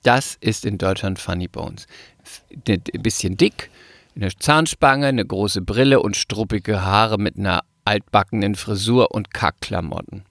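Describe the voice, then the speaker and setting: Joking man with creaky voice, dry close sound. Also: fairly low pitch, measured pace, no room sound. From Palatinate, Germany. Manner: joking, animated storytelling, repeats words for emphasis. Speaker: podcast co-host, actor. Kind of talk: casual comedic chat.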